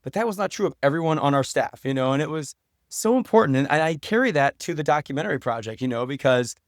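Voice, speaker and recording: A man's voice: on the high side, animated, fast talker, no room sound, studio quality. A man talking casually and earnestly as a guest in an interview, often adding "you know" and "like". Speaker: podcast guest, professor and documentary maker. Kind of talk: casual conversational interview answers.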